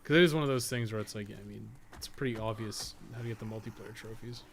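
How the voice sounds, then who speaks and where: A man's voice: fairly low pitch, fast, heavy background noise. A man giving casual live gameplay commentary, rambling and thinking aloud in loose, sometimes profane language. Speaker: podcast co-host and gaming streamer.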